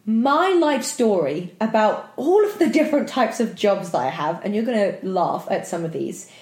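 Young woman, husky tired voice, chatty upbeat podcast host, echoey room. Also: mid-range voice, a little mellow. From Britain. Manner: chatty, upbeat, self-deprecating. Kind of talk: casual motivational podcast monologue.

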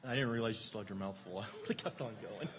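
Against a noisy background, a fast-talking man with a fairly low pitch co-hosts a beer show. Hailing from Erie, Pennsylvania, he chats casually with enthusiasm, jokes and self-deprecating humor.

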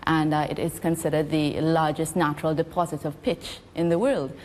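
A woman from Trinidad and Tobago speaking as an ambassador, her voice very low for a woman. She explains things in a measured, diplomatic way. Faint noise hums in the background. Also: fairly even intonation, a little mellow, big-room sound. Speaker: ambassador, interview guest. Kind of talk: formal interview answers.

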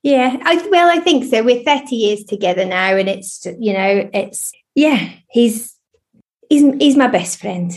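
A woman's voice: on the high side, lively intonation, unhurried. An English woman in her fifties with a slightly Scottish-sounding accent, a spiritualist medium candidly sharing her life story in a podcast interview. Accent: English, with a Scottish tinge. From England. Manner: earnest, candid, warm.

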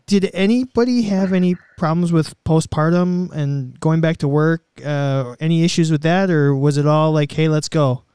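Smooth, polite man co-host. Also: on the high side, moderate pace, few pauses, a little mellow, no echo, studio quality. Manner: tentative, polite questioning. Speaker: podcast co-host. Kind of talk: casual interview questions.

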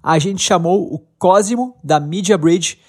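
A man's voice: high voice, a little slow, a little mellow, slightly rough. A man with a Brazilian accent hosting a podcast in an informal, agreeable way. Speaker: podcast host. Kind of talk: casual podcast chat.

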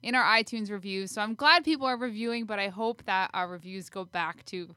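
A woman's voice: mid-range voice, brisk, pushed and bright, no room sound, clean studio sound. A woman co-hosting a sports podcast in a casual, conversational style. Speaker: podcast co-host.

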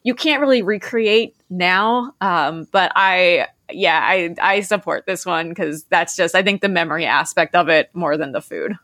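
A woman's voice: fairly low pitch, a little slow, few pauses, a bit bright, dry recording. A woman co-hosting a podcast, telling a nostalgic story in a casual, chatty way. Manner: nostalgic storytelling, many "like" fillers. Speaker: podcast co-host.

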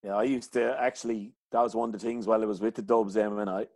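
A middle-aged man from County Clare speaks with a west of Ireland accent. His voice sits on the low side, recorded dry with little room sound. He chats casually and colloquially, wandering through his anecdotes. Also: fairly even intonation, quick pace, darkish tone, dry recording. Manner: colloquial, rambling storytelling. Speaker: interview guest, hurling coach.

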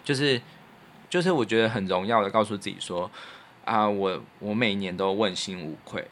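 Male podcast host, Taiwanese Mandarin accent, lowish pitch, earnest casual storyteller, some background noise. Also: normal speed, a bit bright. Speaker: musician. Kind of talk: casual reflective chat.

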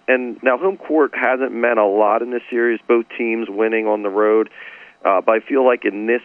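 A hoarse man who has partly lost his voice, a sportsbook director giving measured betting analysis with many "uh" fillers over a phone call. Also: fairly low pitch, no room sound. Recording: tinny phone line.

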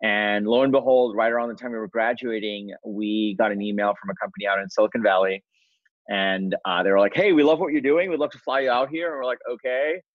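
Energetic man telling startup stories. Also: on the low side, fast talker, no echo, narrow, tinny audio. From Bangladesh, raised in New York. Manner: energetic, self-deprecating storyteller. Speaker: guest entrepreneur. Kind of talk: casual interview storytelling.

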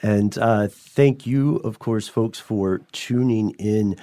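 A man's voice: lowish voice, slow, warm tone, no room sound, studio quality. A man co-hosting a podcast in a conversational way, talking with a guest and addressing listeners. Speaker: podcast co-host. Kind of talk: conversational interview and show sign-off.

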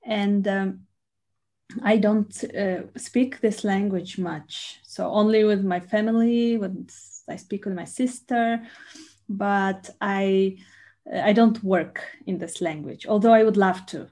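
A woman from Russia whose first language is Russian, speaking English as an interview guest in a measured way, pausing often with fillers. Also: mid-range voice, fairly even intonation, mellow. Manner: measured, with frequent pauses and fillers. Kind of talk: conversational interview.

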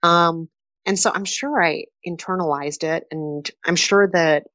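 A woman in her thirties from Minnesota with a Minnesota accent, answering interview questions in a chatty, animated way with frequent fillers and laughter. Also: on the low side, unhurried, no room sound. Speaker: podcast host, interviewee. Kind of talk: conversational interview.

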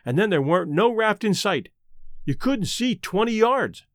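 A man's voice: high voice, lively intonation, moderate pace, no echo, clean studio sound. A man reading an audiobook as a plain-spoken, matter-of-fact Southern boy telling his own story. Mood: uneasy. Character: Huck, a folksy, matter-of-fact adolescent Southern boy narrator. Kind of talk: first-person audiobook narration.

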